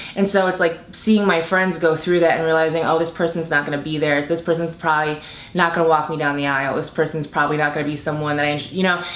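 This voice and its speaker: A woman with an American accent talks at a very fast pace with hardly any pauses, her very deep, low pitch held in a flat monotone. Room echo is audible, and there is noticeable background noise. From US Midwest, Michigan. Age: 30s. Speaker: YouTuber and singer-songwriter. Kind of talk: casual interview conversation.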